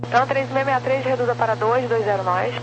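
A woman's voice: on the high side, fast talker, dull audio. A Brazilian woman working as an air traffic controller, giving clipped procedural instructions over the radio.

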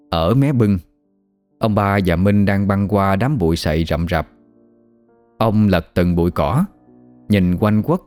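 A man narrating a ghost story in a measured, evocative way. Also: deep voice, no echo. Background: soft music.

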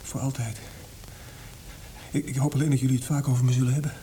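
An actor in a radio play voicing a gravely ill, melancholy man, speaking weakly and haltingly to a friend. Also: mid-range voice, steady tone, mellow, a little hiss or hum, lightly acted. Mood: resigned, weak. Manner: wistful, faltering, repeats words.

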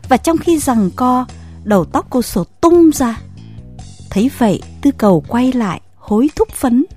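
A woman narrating a story in an expressive, scripted way. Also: on the high side, a little slow, soft background music.

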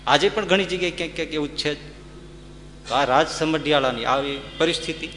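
Male folk storyteller, dramatic rising and falling delivery, slightly high voice, long echo of a large hall, faint hum. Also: fairly quick, a bit bright. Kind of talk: Gujarati folk tale narration.

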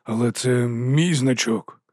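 A man's voice: medium pitch, slow, slightly rough, dry recording, clean studio sound. A male narrator voicing a weary middle-aged watch captain who mumbles in a subdued way. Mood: sheepish. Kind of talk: audiobook character voice.

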